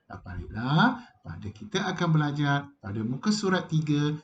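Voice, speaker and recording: Lively Malaysian man teaching young children. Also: fairly high pitch, dull audio. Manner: warm, coaxing, addresses pupils directly. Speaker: primary school teacher. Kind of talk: recorded lesson for young pupils.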